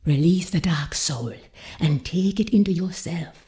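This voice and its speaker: An actress voicing a commanding, seductive voodoo priestess in a video game, a mysterious mentor with a portentous, folksy way of talking. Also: female voice, fairly low pitch, unhurried, warm tone, close to an everyday voice. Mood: ominous warning. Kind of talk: dramatic game cutscene acting.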